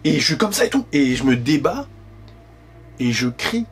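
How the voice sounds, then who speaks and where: A man telling a paranormal storytime to camera in a casual, slangy, animated way, constantly addressing the listener. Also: mid-range voice, normal speed, husky, faint music behind. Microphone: directional microphone.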